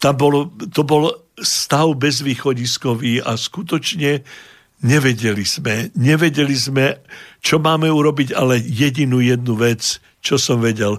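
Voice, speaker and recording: Using an ordinary speaking voice, a man talks at a fairly slow pace with a fairly high pitch and ordinary pitch variation. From Slovakia. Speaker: Lutheran pastor and emigrant. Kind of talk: interview.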